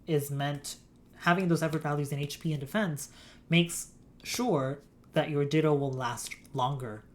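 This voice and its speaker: A woman's voice: low-pitched, unhurried. A woman streaming a game, explaining game mechanics in a rambling, giggly way. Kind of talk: casual gameplay stream chat.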